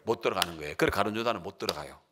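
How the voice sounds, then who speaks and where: A man's voice: low voice, racing, background noise. A man pastor preaching a sermon, asking the congregation questions and acting out the quotes he reads. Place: church.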